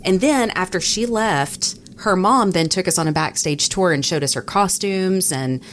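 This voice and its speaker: Low-voiced American woman chatting. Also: normal speed, slight background noise. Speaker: podcast co-host and radio personality. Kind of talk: casual chat, anecdotal storytelling.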